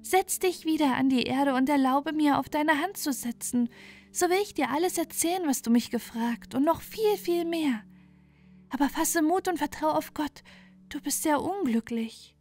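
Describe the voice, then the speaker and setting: A gentle little fairy-tale bird speaks in a soft, kindly sing-song, as a woman puts it on. The voice sits higher and lighter than her own and floats over faint music. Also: normal speed. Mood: tender, comforting.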